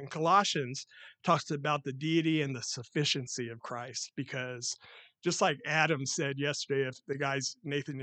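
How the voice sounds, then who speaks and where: A man preaching to a small congregation on a microphone, loud and excited, reading scripture with rising force. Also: mid-range voice, no echo. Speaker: lay preacher. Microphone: handheld or stand mic.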